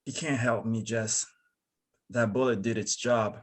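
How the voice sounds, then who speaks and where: A man's voice: mid-range voice, steady tone, a little slow, natural voice. A man playing a gut-shot, resigned and tender man at a drama table read, speaking in a subdued, plain way.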